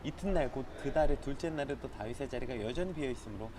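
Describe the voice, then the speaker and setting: A man's voice: mid-range voice, animated, fast, background noise. A man leading a live morning Bible study, reading scripture aloud and explaining it in a conversational teaching manner, often using filler words.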